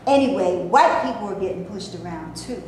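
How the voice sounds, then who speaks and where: An actress in a staged reading playing a skeptical, sardonic Black actress from the 1930s. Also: female voice, mid-range voice, animated, fairly quick, darkish tone, natural voice. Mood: wry. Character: Black actress of the 1930s, wary, wry and outspoken. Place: stage before a live audience. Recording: very echoey room, faint noise.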